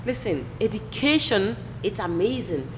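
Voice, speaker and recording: Brief: animated woman host, higher voice, echoey room. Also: measured pace. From Nigeria. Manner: enthusiastic, emphatic, laughs often. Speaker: podcast host. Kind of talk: casual interview chat. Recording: roomy echoey room, faint noise.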